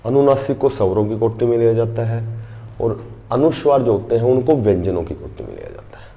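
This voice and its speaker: A middle-aged male teacher giving an exam-prep grammar lesson, repeating key terms slowly so students can write them down. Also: medium pitch, big pitch swings, gravelly, dark tone.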